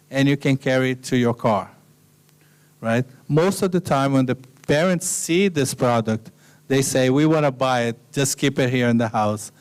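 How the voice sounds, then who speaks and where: Man giving a smooth, relaxed slide lecture. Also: medium pitch. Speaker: guest lecturer.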